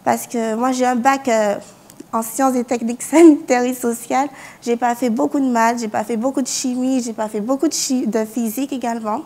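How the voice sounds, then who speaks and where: A fairly high-voiced young woman from France shares her faith testimony. She speaks earnestly, restarts her sentences often and breaks into small laughs. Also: steady tone, normal speed, a little mellow. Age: young adult. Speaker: university student giving testimony. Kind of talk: spoken personal testimony.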